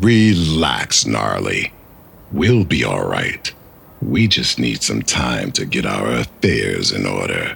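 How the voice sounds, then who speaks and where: Raspy and very deep, a man's low voice moves at a fairly slow pace with very wide pitch swings. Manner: calm, authoritative, guarded.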